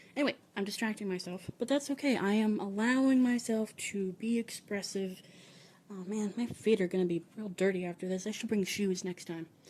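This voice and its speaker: A woman speaks at a fairly quick pace with a somewhat breathy sound. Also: medium pitch for a woman, ordinary pitch variation. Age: 30s. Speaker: podcast host. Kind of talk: casual monologue. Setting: garage, walking around. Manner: soft-spoken.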